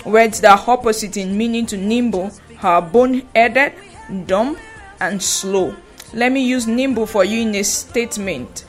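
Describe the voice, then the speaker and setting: A woman co-hosting a radio show, teaching vocabulary. She spells and defines each word slowly and carefully, and repeats her example sentences. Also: fairly high pitch, faint music behind. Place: radio studio.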